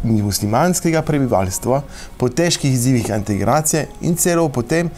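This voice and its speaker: Male TV host, mellow tone, hesitant interviewer, faint music in the background. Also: mid-range voice. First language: Slovenian. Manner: hesitant, many fillers in French. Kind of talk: scripted introduction then interview.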